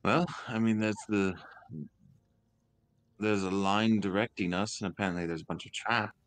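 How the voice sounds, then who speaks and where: A man's voice: on the low side, steady tone, moderate pace. A man playing a tabletop game, casually thinking aloud as he describes what his character does.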